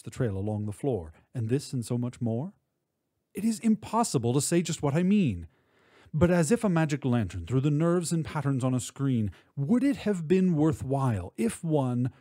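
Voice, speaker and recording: A man giving an expressive, measured recitation of literary poetry, drawing out words for emphasis. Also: medium pitch, no room sound, clean studio sound. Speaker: poetry reader.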